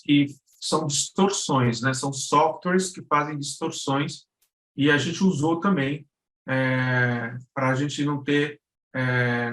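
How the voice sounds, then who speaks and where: A Brazilian man giving an informal online lesson, halting as he searches for words. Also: medium pitch, fairly bright tone. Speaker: guest lecturer on podcast production. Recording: roomy, echoing live-stream sound.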